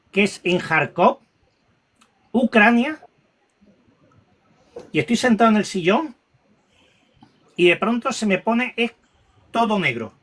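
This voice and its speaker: Man telling a story, halting and emotional. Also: high voice, a bit bright. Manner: halting, many restarts and repetitions. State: emotional, near tears. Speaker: guest recounting a paranormal experience.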